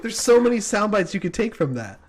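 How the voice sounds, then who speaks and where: A man co-hosting a podcast in casual chat, excitable and quick to laugh. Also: high-pitched, heavy background noise. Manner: excitable, gushing, laughs easily. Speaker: podcast co-host.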